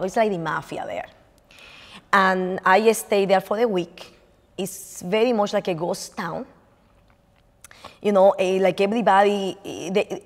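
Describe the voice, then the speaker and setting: A middle-aged woman with a Dominican Spanish accent, a native Spanish speaker, giving a chatty artist lecture full of restarts and fillers in a lecture room. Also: mid-range voice. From Dominican Republic. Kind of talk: lecture on her art. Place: lecture room in front of a projected slide. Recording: lecture hall reverb.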